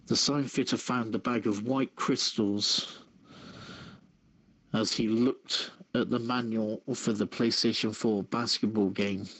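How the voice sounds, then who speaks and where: A man hosting a casual online radio show, reading news and chatting in a halting, hesitant way. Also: lowish voice, fairly even intonation, a bit bright, husky, poor audio.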